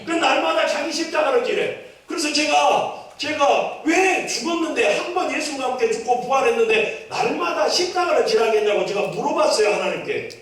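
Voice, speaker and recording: High-voiced Jeolla pastor in an echoey hall. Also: male voice, a bit bright, recorded from a distance. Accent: Jeolla Korean. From Jeolla, South Korea. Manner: emphatic, repeats key phrases, calls for amens from the congregation. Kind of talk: sermon. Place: church sanctuary.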